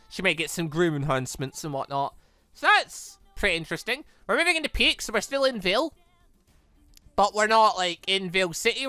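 Lively young woman gamer. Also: on the low side, no echo. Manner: chatty, animated, reads character lines in her own voice. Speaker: let's play streamer. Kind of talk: reading a visual novel aloud and reacting.

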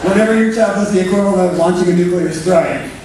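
A man on a stage panel making quick jokey quips. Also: sits high, a little mellow. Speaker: panelist, writer. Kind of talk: live panel discussion. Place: stage in a large auditorium. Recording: echoey hall, distant mic, noisy.

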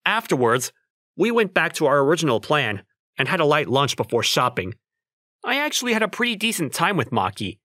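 A man's voice: a little high, big pitch swings, brisk, bright, forceful tone, no echo, clean studio sound. A young man playing an awkward, self-doubting single guy in a manga dub, with a wry, self-questioning manner. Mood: wry narrating. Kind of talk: manga dub acting and narration. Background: music.

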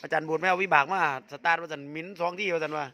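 A man with an Isan accent hosting a village vlog, chatting with a friend and promoting a raffle in a lively, joking way. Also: a little high, rapid-fire. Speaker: vlogger host. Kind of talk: casual chat and live promotion.

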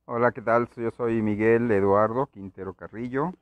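A man from Guadalajara, a holistic therapist, talking as a guest in a relaxed, friendly, joking way at his home. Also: medium pitch, normal speed, clean tone, dry recording. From Guadalajara, Mexico. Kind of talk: casual conversation.

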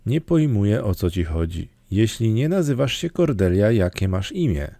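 A man's voice: fairly low pitch, very animated, creaky, warm tone, no room sound, studio quality. A man voicing a stern spinster woman. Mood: curt. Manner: brisk, curt, matter-of-fact. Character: stern, practical middle-aged spinster woman. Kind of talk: audiobook character reading.

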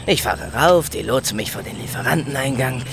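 Chatty, gravelly delivery driver. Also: male voice, mid-range voice, expressive, fairly quick, background noise. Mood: chatty, offhand. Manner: colloquial, rambling, offhand. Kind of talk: German audio drama acting.

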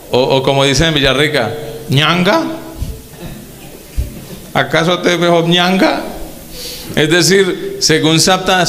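A pastor preaches slowly and emphatically, stretching his words and firing rhetorical questions at the congregation. His voice sits somewhat high for a man. The sound rings through a large hall with a long, echoing tail. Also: fairly bright tone. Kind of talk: Pentecostal sermon.

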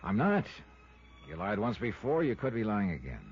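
An American actor playing a tough, wry, skeptical insurance investigator with clipped delivery in 1950s radio style. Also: male voice, lowish voice, huge pitch swings, normal speed. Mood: curt, businesslike. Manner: clipped, hardboiled, pointed. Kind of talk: 1950s radio detective acting. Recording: dull vintage radio recording, faint music.

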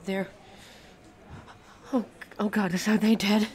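A woman playing a devoted, distraught young werewolf in an audio drama, halting and pleading as she speaks of her mate. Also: mid-range voice, little pitch movement, darkish tone, natural voice. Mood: frantic, pleading. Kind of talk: amateur audio drama acting.

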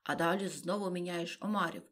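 A woman voicing a boisterous, excitable male griffin from a storybook, who keeps interrupting and shouting. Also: fairly low pitch, brisk.

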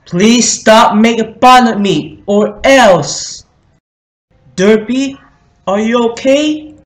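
A man's voice: very high-pitched, echoey room, pitched above the performer's own voice, full character voice. A man voicing an upbeat, loyal fifteen-year-old male cartoon pony with an earnest, emphatic delivery. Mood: defensive, pleading. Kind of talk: amateur cartoon character voice reel.

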